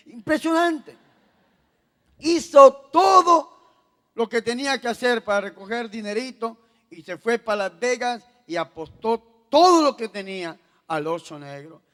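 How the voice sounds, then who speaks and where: A man preaching a Catholic sermon, calling out to the congregation for responses and moving between hushed and loud exhortation. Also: sits high. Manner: swings from soft to loud exhortation, tells jokes. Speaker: Catholic priest. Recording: long hall reverb.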